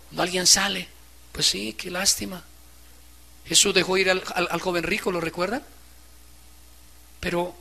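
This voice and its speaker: A man preaching a sermon as pastor, swinging between quiet, low passages and loud, impassioned stretches. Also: gravelly, husky.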